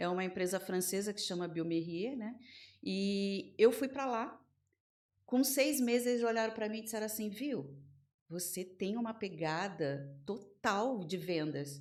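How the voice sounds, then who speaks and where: A woman at medium pitch with lively intonation, speaking fairly slowly in a room with audible echo. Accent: Rio de Janeiro. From Rio de Janeiro, Brazil. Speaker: business mentor and constellation facilitator. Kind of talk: interview.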